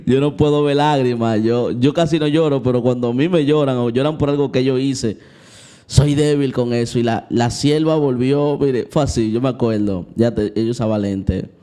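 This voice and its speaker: A man's voice: medium pitch, normal speed, dark tone, clean tone. Candid young man. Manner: candid and confessional, talking straight to viewers; laughs at his own story, acts out the moments he tells. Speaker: Christian vlogger. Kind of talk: personal storytelling vlog.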